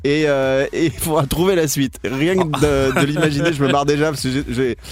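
A man's voice: a little high, steady tone. A man hosting a radio show in a studio, joking and teasing his team as he runs a quiz. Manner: jokey, quick to laugh, teasing. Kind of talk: lively radio game banter.

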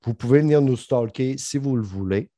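A man's voice: medium pitch, moderate pace, warm tone, dry recording, studio quality. Blunt middle-aged man with a Saguenay accent. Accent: Saguenay Quebec French. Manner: swears freely, jokey and blunt. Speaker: podcast host. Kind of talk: casual chat.

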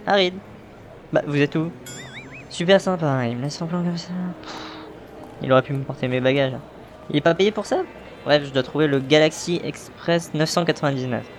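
A man's voice: a little high, normal speed, pauses often, a little hiss or hum, natural voice. A man voicing a sarcastic young orphan hero who grumbles and wisecracks, in a fan cartoon dub. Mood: cheeky. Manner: sarcastic, cheeky.

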